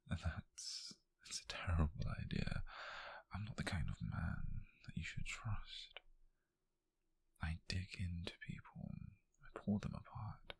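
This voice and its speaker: Man acting a low, whispering British detective. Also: exaggerated voice. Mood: tense, menacing. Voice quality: breathy, husky whisper. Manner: slow, deliberate, brooding. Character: calm, menacing male detective, intrigued and possessive. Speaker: ASMR roleplay performer. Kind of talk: whispered ASMR roleplay.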